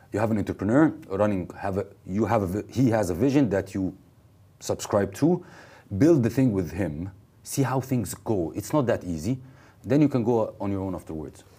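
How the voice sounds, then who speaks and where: With an Arabic accent, the speaker has a dark, mellow tone and lively intonation at a moderate pace, on a very clean recording with a silent background. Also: man, fairly low pitch for a man. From Egypt. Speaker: success coach and entrepreneur. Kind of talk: interview. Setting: studio.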